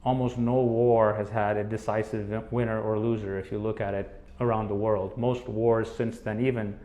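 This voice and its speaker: Guy hosting an interview, lowish voice, calm and measured, sums things up. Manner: measured, sums up the guest's points, soft affirmations. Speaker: interviewer host. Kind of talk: interview questions and summaries.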